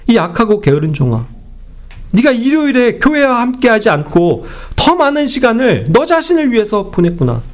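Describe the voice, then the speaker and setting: A man's voice: very high voice, sing-song, normal speed. A man voicing the Lord as a stern male judge who questions and rebukes his servants. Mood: reproachful. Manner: reproachful, questioning.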